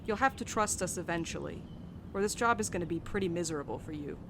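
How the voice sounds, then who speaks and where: A woman's voice: lowish voice, expressive, quick pace, noisy background. A woman playing a blunt, bantering mail carrier who is bad with feelings, in an audio drama. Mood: blunt, earnest. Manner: blunt, casual, teasing. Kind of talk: naturalistic audio drama dialogue.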